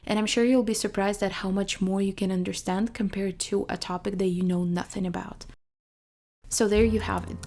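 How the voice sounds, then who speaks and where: A young adult woman whose first language is not English talks through language-learning advice in a steady, scripted vlog voice. Her delivery is clear and measured, with light emphasis at the start of each new point. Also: mid-range voice.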